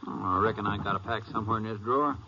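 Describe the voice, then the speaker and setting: A man's voice: on the low side, racing, close to an everyday voice. A man acting a fatherly, reassuring county sheriff with a folksy manner in a 1950s western radio drama. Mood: easygoing. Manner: folksy, easygoing, coaxing. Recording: muffled, noisy old radio broadcast.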